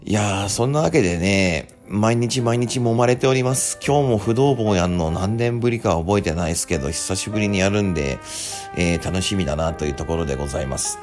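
A man hosting a casual radio segment, telling relaxed stories with plenty of fillers. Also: lowish voice, brisk, soft background music. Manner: chatty, relaxed storytelling with many fillers. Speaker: radio host and rakugo storyteller. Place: Japan.

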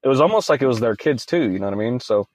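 Young male guest, casual storyteller with plenty of "you know"s, mid-pitched, dead-dry recording. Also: lively intonation, very fast, a little mellow, dry recording. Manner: conversational, leans on "you know" fillers. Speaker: podcast guest.

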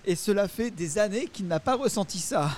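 Pedantic calm-preaching dad, acted by a man, formal phrasing, fairly high and very varied pitch, improvised comedy. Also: normal speed, a little hiss or hum. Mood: strained calm. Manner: formal, therapist-like questioning. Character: earnest, pedantic father preaching calm, barely composed. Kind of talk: improvised audio comedy sketch.

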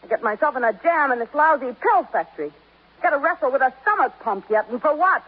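Tough, slangy showgirl; high, breathy and animated; tinny old radio sound. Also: fast talker. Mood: indignant. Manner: street-tough slang, indignant. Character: brassy, tough-talking young showgirl. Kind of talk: 1950s radio drama acting.

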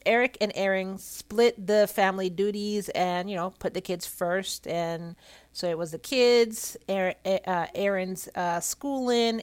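Female podcast host, mid-range voice, casual true-crime storyteller, jaw held a bit tight from a sore cheek. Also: mid-range voice. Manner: talking with clenched teeth from a sore cheek.

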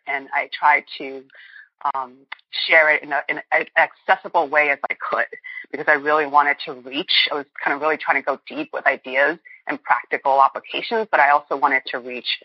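Woman, forties, from boston, earnest, reflective, husky, dull dry lo-fi sound. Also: deep voice, no room sound. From Boston, United States. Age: 40s. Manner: earnest, reflective, thinking aloud. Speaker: guest author. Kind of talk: conversational interview. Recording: muffled, dry lo-fi line.

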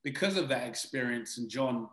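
A man's voice: mid-range voice, lively intonation, normal speed, a bit bright, echoey room, low-quality recording. A man from Britain with a British accent, an actor answering interview questions in an earnest, reflective way with frequent restarts.

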